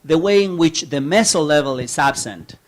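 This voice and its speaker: A man from Chile asking a long question from the audience at an academic talk, speaking in a measured way with frequent fillers. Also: on the high side, expressive.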